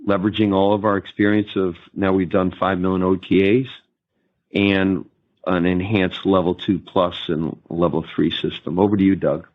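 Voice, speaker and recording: Male executive, low voice, fielding analyst questions on a narrow phone-like line. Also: flat delivery, moderate pace. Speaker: company executive. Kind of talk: answering analysts on an earnings call. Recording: narrow tinny conference call line.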